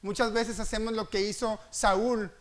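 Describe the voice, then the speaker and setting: A man with a Mexican Spanish accent preaching a sermon in a church, emphatic and full of repeated refrains, his voice swinging between loud peaks and soft drops. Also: high voice, flat delivery, measured pace. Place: church sanctuary.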